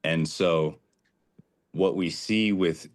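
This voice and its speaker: A man in his twenties calls in to a talk show. His voice is extremely deep. He speaks earnestly but rambles, sometimes losing his thread and starting over. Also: drawn-out words. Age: 20s. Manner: earnest, rambling, loses his train of thought. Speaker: caller. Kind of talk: casual call-in conversation.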